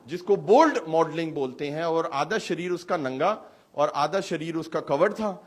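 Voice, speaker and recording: High-voiced male pastor. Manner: animated preaching with rhetorical questions. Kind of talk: sermon. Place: church hall service.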